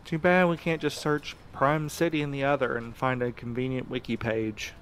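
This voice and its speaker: A man's voice: mid-range voice, level tone, moderate pace, fairly bright tone, a little hiss or hum, close to an everyday voice. A man playing a sardonic courier in an audio drama, talking in a dry, sarcastic, casual way. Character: sardonic young male courier, snarky schemer among friends. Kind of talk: naturalistic audio drama acting.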